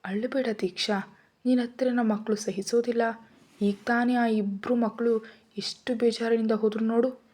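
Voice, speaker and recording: A woman voicing a gentle, playful husband and father in a read-aloud story. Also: fairly high pitch, fairly even intonation, moderate pace, lightly acted. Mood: soothing. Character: loving husband and father, teasing.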